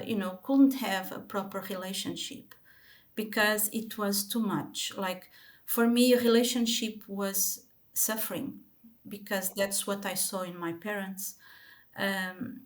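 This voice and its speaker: A Portuguese woman with a medium-pitched voice speaks English with a Portuguese accent as an interview guest. She tells her life story with many ums and restarts.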